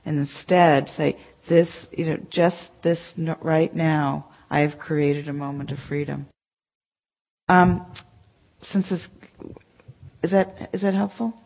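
A low-voiced woman teaches a meditation class in a chatty, emphatic way, scattering "you know" through her points. The recording is dull and lo-fi, with the top end muffled. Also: fairly even intonation, slow pace, pauses often. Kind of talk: conversational dharma talk to a class. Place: meditation center hall.

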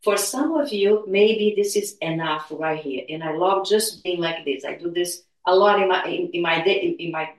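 A woman teaching guided meditation and gentle movement in a soothing, unhurried, spiritual healer-like manner. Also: lowish voice. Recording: echoey room, distant from mic.

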